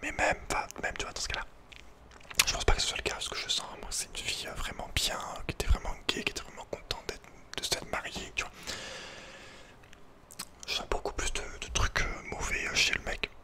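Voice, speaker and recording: A man whispering in a breathy, unvoiced voice, chatting informally and hesitantly in ASMR style. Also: a little fast. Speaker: ASMR video creator. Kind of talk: whispered ASMR, casual rambling chat.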